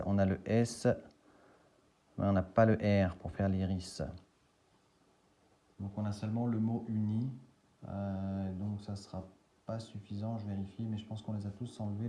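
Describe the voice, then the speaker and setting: Slow low-voiced man thinking aloud. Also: dark tone. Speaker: YouTuber scratching lottery tickets. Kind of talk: casual commentary while scratching tickets.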